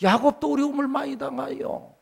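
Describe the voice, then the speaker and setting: A middle-aged male pastor preaching a sermon, swinging between loud emphatic lines and hushed low ones, acting out quoted voices. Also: steady tone, brisk, vocal fry. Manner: acts out quoted voices in dialogue.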